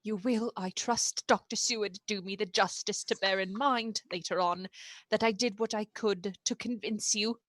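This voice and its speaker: A woman's voice: mid-range voice, steady tone, moderate pace, fairly bright tone, dry recording, close to an everyday voice. A woman playing a lucid but desperate asylum patient in a radio play, formal and imploring in manner. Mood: resigned. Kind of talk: live radio play acting.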